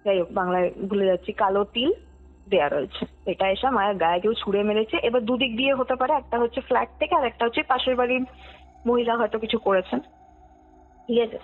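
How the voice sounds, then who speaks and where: High-voiced young woman on tinny phone. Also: quick pace, slightly rough. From West Bengal, India. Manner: mixes English words, often checks listener follows. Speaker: podcast guest telling her true ghost story. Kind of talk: conversational personal storytelling. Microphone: phone call. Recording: tinny phone call, music underneath. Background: background music.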